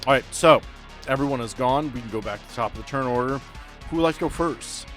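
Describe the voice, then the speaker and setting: A man's voice: medium pitch, quick pace, fairly bright tone, faint music behind. Casual man running a tabletop game. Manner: casual, swearing, talking players through the scene. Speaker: game master. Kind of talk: improvised narration of a tabletop game.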